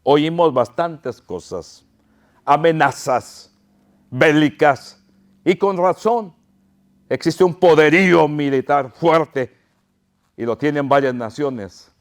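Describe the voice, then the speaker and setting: Man, pastor, sermon, impassioned, slow, resonant, higher voice. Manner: impassioned preaching, crying out quoted pleas; addresses the congregation as brothers.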